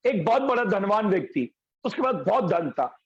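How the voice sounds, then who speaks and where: A man's voice: sits high, very animated, moderate pace, highs cut off. A male pastor preaching a sermon, telling folksy anecdotes and stories, over an online call. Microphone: video call.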